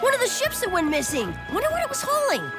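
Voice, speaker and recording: A woman voicing an excitable, imaginative young boy secret agent in an action cartoon. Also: extremely high pitch, fast talker, full character voice. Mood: excited. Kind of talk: animated action cartoon acting. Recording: loud music behind the voice.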